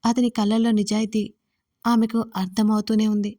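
A woman narrating a scripted audio story in a steady, even reading. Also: medium pitch, moderate pace. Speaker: storyteller and writer.

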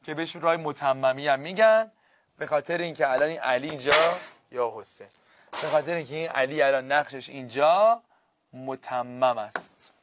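A male teacher with a fairly high voice runs a grammar lesson in a classroom. He drags out key words slowly for emphasis and keeps asking the students whether they follow. A faint noise sits under the recording. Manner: stretches words slowly for emphasis, asks students checking questions.

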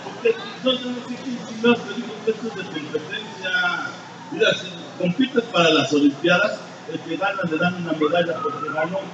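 An older man with a Mexican accent giving blunt, crude testimony at a recovery group meeting, going from low murmurs to loud shouts. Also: a little fast. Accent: Mexican Spanish. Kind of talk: blunt, profane confessional testimony. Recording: distant, echoey, dull-sounding room recording with noise.

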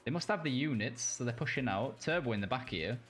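A young British man casting a live video game match, reacting quickly and cracking jokes between calls. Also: mid-range voice, animated, fairly bright tone, faint music behind. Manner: quick reactive play-by-play, jokey asides. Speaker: caster. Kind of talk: live esports play-by-play commentary.

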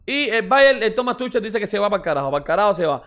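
Reaction host, male, high-pitched and quick, mocking and rambling with slang. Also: big pitch swings, a bit bright. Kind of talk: excited casual reaction commentary.

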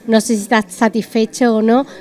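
Middle-aged woman host; effusive, bright-pitched, restaurant dining room, handheld mic. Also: flat delivery, fairly quick. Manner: effusive, gushing. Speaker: interviewer. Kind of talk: casual interview.

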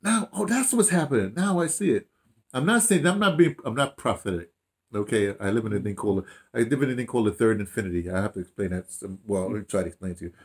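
A man's voice: fairly low pitch, fast talker. An American man in his sixties or older talking casually and reflectively, rambling with emphasis, false starts and repeated phrases. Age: 60s or older. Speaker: audio dramatist being interviewed. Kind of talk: casual reflective interview talk, storytelling. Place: small room at home, indoors.

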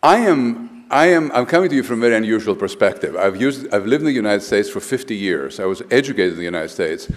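An older man from Greece lectures from a lectern in a large hall, his voice trailing into a long reverb. He speaks in a lowish register and talks emphatically, stumbling over restarts and repeated words. The sound comes from a live conference recording. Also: lively intonation, quick pace, hardly any pauses. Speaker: architect giving a conference lecture.

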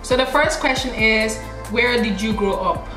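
A woman's voice: a little high, normal speed, echoey room, music in the background, poor audio. A woman in her late twenties, from Nigeria, chatting to her viewers in a casual get-to-know-me vlog, laughing at herself as she answers questions. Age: late 20s. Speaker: YouTuber. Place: small indoor room.

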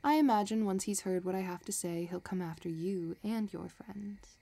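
A woman playing a possessive, scheming villain in a romantic audio roleplay, talking in a soft, teasing, calculating way. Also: mid-range voice, normal speed, vocal fry. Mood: intimate, possessive. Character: possessive, scheming female villain obsessed with her crush.

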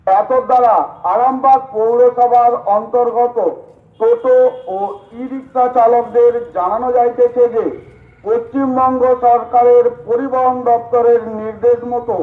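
A man reading a formal public notice in a steady, repetitive way over a PA loudspeaker. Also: extremely high pitch. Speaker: public announcer. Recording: tinny echoey loudspeaker sound.

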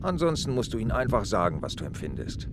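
A middle-aged actor playing an easygoing, wry police detective on a night train, calm and paternal. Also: male voice, quick pace. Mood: gentle. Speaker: police detective in a radio crime play. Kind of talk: radio drama acting. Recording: train rumble under dialogue.

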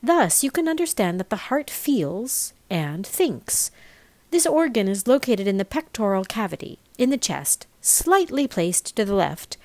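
A woman reads scripted narration as a voice-over. Her mid-pitched voice moves up and down in a lively way while she enunciates in a measured manner. The sound is dry, with very little room in it. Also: dry recording. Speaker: voice-over reader. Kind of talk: scripted narration of a spiritual explainer, read aloud.

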